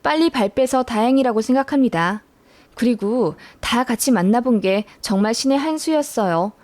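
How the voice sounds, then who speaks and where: A woman narrating a listener's story in the first person, expressive and indignant. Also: on the high side, normal speed, no room sound.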